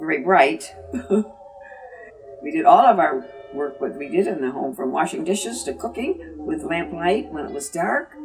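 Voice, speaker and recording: A woman with an American accent at a moderate pace, long, frequent pauses, music in the background. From upstate New York, Finger Lakes. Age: 90s. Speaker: elderly mother sharing life memories. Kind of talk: oral history interview.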